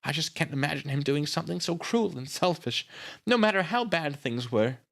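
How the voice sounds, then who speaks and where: A man's voice: on the high side, lively intonation, moderate pace, creaky, pitched above the performer's own voice. A man voicing a grieving, earnest young woman from a storybook, emotional and pleading. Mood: bewildered, upset.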